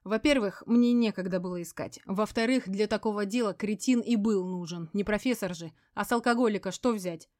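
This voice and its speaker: A woman reading an audiobook voices a furious, spiteful ex-wife who hisses and yells, her voice breaking into shrieks. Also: mid-range voice, a little fast, hardly any pauses, no room sound, clean studio sound, natural voice. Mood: gloating, spiteful. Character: furious embittered ex-wife, spiteful poisoner, screaming.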